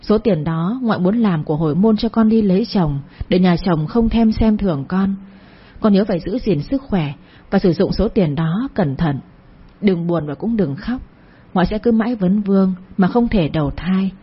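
A woman voicing the gentle ghost of an old grandmother who speaks softly and tenderly. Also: medium pitch, expressive, normal speed, husky, highs cut off. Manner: soft, tender and consoling.

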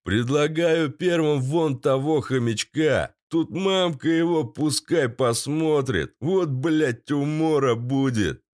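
A man's voice: fairly high pitch, slow, few pauses, a little mellow. A man voicing a coarse, dim-witted hulking henchman who talks in slang.

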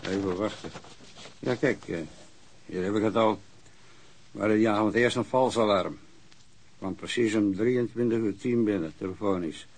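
An alarm centre clerk in a radio drama. He is factual but a little hesitant, in a lowish voice. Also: normal speed, long pauses, a little mellow, slightly rough. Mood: matter-of-fact. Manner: hesitant, matter-of-fact.

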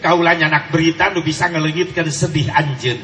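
A man with a Sundanese accent voicing a gentle male angel messenger, in an echoey hall. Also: a little high, steady tone, brisk. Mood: earnest. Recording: echoey hall with faint noise.

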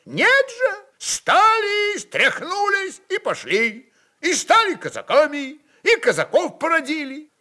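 A man voicing an excitable old Cossack jester in a storybook reading, grumbling and declaiming in a folksy way. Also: very high voice, slow, voice pushed up, heavily acted. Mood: indignant, haranguing.

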